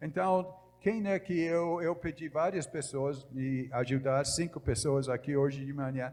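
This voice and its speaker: A man talks with a northeastern Brazilian accent. His pitch is fairly high, with ordinary variation. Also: fairly slow pace. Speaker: missionary preacher. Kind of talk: sermon. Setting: church.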